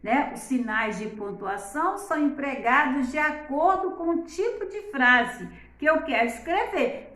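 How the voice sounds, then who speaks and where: A woman, teaching a class and speaking in a slow, deliberate way, exaggerating the intonation of her examples and often adding "né?". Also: sits high, a bit bright, roomy sound.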